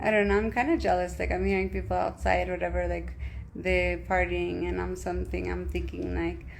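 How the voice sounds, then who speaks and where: A woman's very deep, low voice with lively intonation at a fairly quick pace, with audible room echo. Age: 30s. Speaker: reality TV personality. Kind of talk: casual chat. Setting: livestream.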